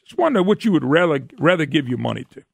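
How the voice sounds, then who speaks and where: Man, radio host, very gravelly, slightly high voice, emphatic rhetorical questions. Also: very animated, quick pace, no room sound. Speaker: radio talk show host. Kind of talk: political call-in radio talk. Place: radio studio.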